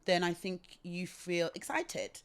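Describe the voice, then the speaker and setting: A woman from England with a British accent, speaking as a guest in a casual conversation and telling her stories in an articulate, expressive way. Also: on the low side, takes it slowly, clean tone. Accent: British English. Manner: articulate, expressive, animated storytelling.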